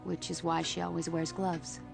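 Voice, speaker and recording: An actress voicing a calm adult heroine who leads a newcomer on a tour of her team's home in a video game. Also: on the low side, normal speed, gravelly, music in the background. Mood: welcoming. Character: calm adult woman mutant team guide. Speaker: game character giving a house tour.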